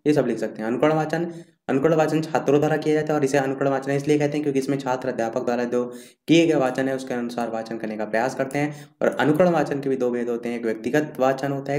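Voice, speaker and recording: Here a man runs an online exam revision session, reading points off as he scrolls and repeating important terms, all recorded from his screen. The teacher's medium-pitched voice is a little mellow, and the audio has a roomy feel.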